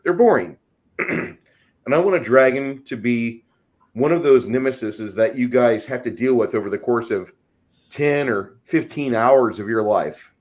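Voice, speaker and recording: A man speaking casually and at length as a panelist, opinionated and emphatic in the way he explains things. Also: mid-range voice. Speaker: panelist and game master. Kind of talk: casual discussion.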